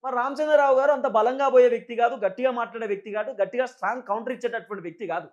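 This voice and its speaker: Male political commentator, Telangana Telugu accent, very high voice, rapid delivery, emphatic and repetitive explaining. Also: muffled recording. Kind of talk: unscripted political news commentary.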